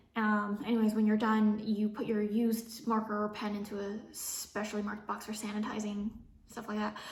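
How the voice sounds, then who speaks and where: Speaking fairly quickly, a woman keeps a flat, monotone intonation. Noticeable background noise and audible room echo fill the recording. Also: fairly high pitch for a woman. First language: not English. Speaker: YouTuber, poll worker. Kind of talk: casual explainer vlog. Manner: halting, many fillers.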